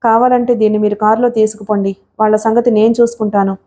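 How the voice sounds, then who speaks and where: A woman's voice: medium pitch, level tone, fast talker, mellow, close to an everyday voice. A woman voicing a corrupt male police inspector who barks at the weak and fawns on the rich. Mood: servile. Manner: barking, then servile.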